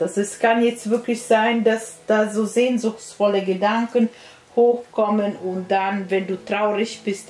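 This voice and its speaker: A woman giving an unscripted card reading to viewers, halting and repetitive, with frequent tag questions. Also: mid-range voice, warm tone. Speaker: tarot card reader and spiritual coach. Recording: roomy echo with music behind. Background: music.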